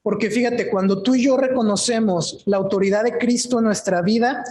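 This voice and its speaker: A man's voice: high-pitched, fairly even intonation, fairly quick, darkish tone. A male pastor preaching a sermon in a conversational way, often asking his congregation questions and adding tag questions. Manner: frequent tag questions and restarts. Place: church service before a congregation.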